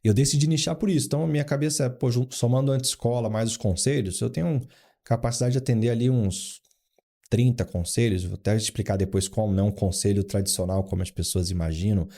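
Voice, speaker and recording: A man's voice: mid-range voice, fast, dark tone. A man in his forties from Rio de Janeiro, a guest on an interview, telling business stories full of anecdotes and quoted dialogue. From Rio de Janeiro, Brazil. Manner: storytelling with anecdotes and acted-out quotes. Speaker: guest, board adviser and founder. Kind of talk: casual interview.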